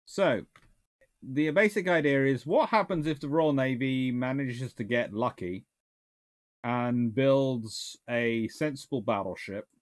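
A man's voice: mid-range voice, takes it slowly. A man, a naval historian answering viewer questions in a casual live Q&A, rambling and correcting himself as he thinks aloud. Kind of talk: casual livestream Q&A. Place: small home study lined with books.

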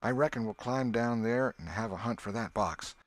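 A man's voice: medium pitch, normal speed, voice pushed up, lightly acted. A man reading an audiobook, voicing a wary, superstitious country boy with a plain drawl. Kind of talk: audiobook character voice.

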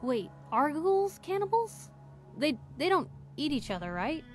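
A woman's voice: high-pitched, very animated, unhurried, faint music behind. A woman playing a wry, streetwise young companion in a video game, talking casually. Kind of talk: video game dialogue acting.

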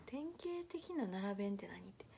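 A woman's voice: medium pitch, sing-song, moderate pace, creaky, dark tone, slightly rough. A young woman from Nara with a Kansai accent, chatting casually on a livestream and reading viewer comments aloud with frequent laughter. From Nara, Japan. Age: young adult. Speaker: idol livestream host.

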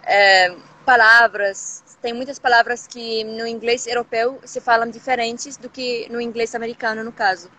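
A woman's voice: on the high side, flat delivery, moderate pace, bright, forceful tone. A woman from Morocco with a Moroccan accent, a language teacher chatting casually as a guest, often restarting her sentences. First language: Moroccan Arabic. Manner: speaks with many restarts and small hesitations. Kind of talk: casual live chat.

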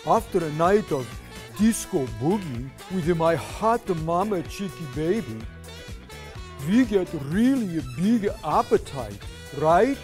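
A man's voice: sits high, big pitch swings, slow, a little mellow, faint music behind, heavily acted. A man playing a flamboyant, party-loving rocker in a parody commercial, with an exaggerated foreign-sounding delivery. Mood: swaggering.

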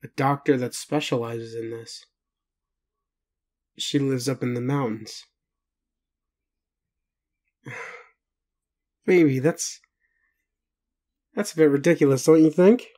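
Male actor as bewildered gentle man, intimate audio roleplay, slow pace, hesitant, doubting, mid pitch. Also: close to an everyday voice. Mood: incredulous. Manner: halting, hesitant, full of pauses and sighs.

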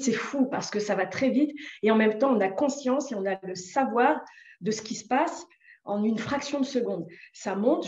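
A woman's voice: fairly high pitch, a little mellow, reverberant, highs cut off. Hesitant French woman recounting a story. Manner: hesitant, many fillers and restarts. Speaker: interviewee sharing a personal story. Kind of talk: personal testimony.

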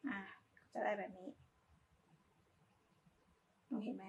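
A woman's voice: medium pitch, fairly even intonation, takes it slowly, creaky, darkish tone, lo-fi sound, a little hiss or hum. A woman giving a casual, polite step-by-step craft tutorial, talking as she demonstrates. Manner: informal, polite, talks while demonstrating.

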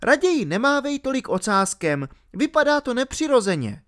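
A man's voice: extremely high pitch, sing-song, fairly bright tone, voice pushed up, full character voice. A man voicing a plucky sixteen-year-old girl in an audiobook, speaking firmly and insistently. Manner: bossy, insistent girlish voice. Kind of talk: audiobook reading.

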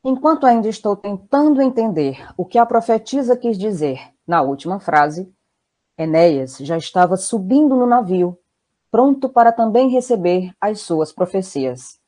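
A woman's voice: medium pitch, expressive, normal speed, warm tone. A woman with a Brazilian accent narrating a scripted comic story.

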